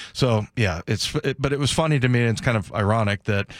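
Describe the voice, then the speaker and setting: With a slight Midwestern accent, a man talks at a fairly quick pace in a fairly low voice with vocal fry and lively intonation, recorded very cleanly against a silent background with a dry, close sound and no echo. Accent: slight Midwestern twang. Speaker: sports radio host. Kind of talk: casual chat. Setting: studio.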